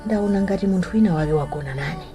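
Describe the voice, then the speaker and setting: Radio drama role: confused, tired young Malawian woman, played by a woman, mellow, hesitant delivery, light music bed. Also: lowish voice, lightly acted. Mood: troubled, hesitant. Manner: hesitant, halting. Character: confused, weary young woman struggling to remember the night before. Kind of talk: vernacular radio drama acting.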